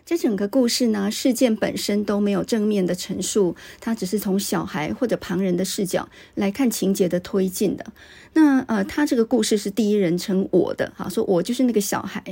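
Woman hosting a lit podcast, mellow husky voice, chatty storytelling. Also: medium pitch, a little fast. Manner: retells plots, adding chatty particles. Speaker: podcast host discussing literature. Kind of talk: storytelling literary commentary.

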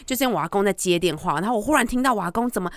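A woman's voice: medium pitch, rapid-fire, no echo. A woman, co-hosting a casual chat and telling a story expressively, imitating the people in it. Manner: expressive, imitates others' speech when retelling. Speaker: podcast co-host.

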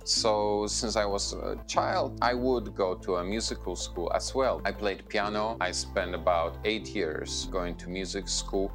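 A man in his thirties from Poland with a low voice, talking as a podcast guest in a relaxed, joking way with frequent fillers. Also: unhurried, hardly any pauses, soft background music. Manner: chatty, self-deprecating humor, frequent fillers. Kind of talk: relaxed conversational storytelling.

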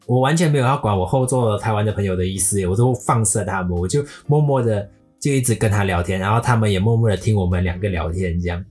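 Husky Malaysian-accented podcast storyteller. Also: sits low, fast, a little mellow, soft background music. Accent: Malaysian Mandarin. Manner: playful, mixes English into Mandarin. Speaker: podcast host.

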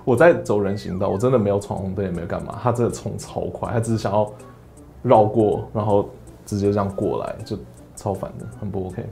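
A man's voice: brisk, vocal fry, faint music behind. A young man with a Taiwanese Mandarin accent, hosting a casual solo podcast and telling stories animatedly, acting out other people's lines in raised voices. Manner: animated storytelling, acts out quotes with high voices. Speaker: podcast host.

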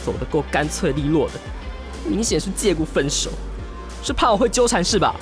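A man's voice: fairly high pitch, a little fast, music in the background, lightly acted. A man with a Taiwanese Mandarin accent acting a jilted, sarcastic, hot-tempered gay lover in a modern radio drama. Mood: outraged, bitter. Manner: expressive, swearing, muttering to himself.

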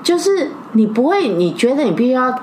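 A woman with a Taiwanese accent hosting a casual chat, telling stories in an expressive, emphatic way. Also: sits high, fairly quick, slight background noise. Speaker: podcast host. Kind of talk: casual chat, animated storytelling.

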